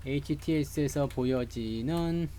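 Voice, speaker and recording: A man streams from Seoul, lecturing on stock charts in a relaxed, joking way and greeting his live chat. His voice is warm and fairly high, and he never hurries.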